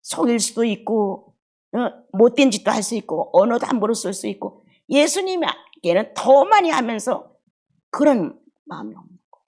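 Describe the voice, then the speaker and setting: A middle-aged woman preaching a sermon with deep feeling, her voice jumping from loud outbursts down to hushed murmurs. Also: animated, normal speed. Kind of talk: expository sermon.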